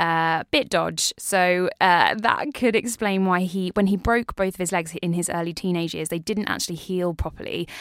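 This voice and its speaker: In a very clean recording with a silent background, a woman with an English accent speaks at medium pitch and a moderate pace, with ordinary pitch variation. The sound is dry and close with no echo, and she hardly pauses at all. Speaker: radio host. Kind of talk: radio interview and presenting.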